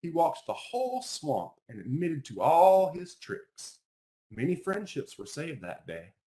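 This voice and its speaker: A man reading a children's picture book aloud in an expressive storytelling style, as its author. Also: a little high, measured pace.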